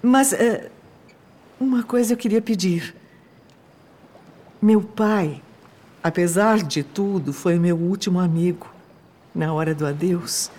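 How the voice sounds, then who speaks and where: A woman playing a gentle, wistful young daughter who pleads earnestly in a radio drama. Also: fairly low pitch, slow, long pauses. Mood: wistful pleading.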